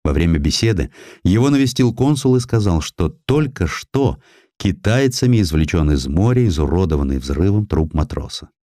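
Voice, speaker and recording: Deep, mellow male narrator, dry studio sound. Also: very animated, moderate pace, no echo. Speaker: audiobook narrator. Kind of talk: dramatic scripted narration of historical prose. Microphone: close studio microphone.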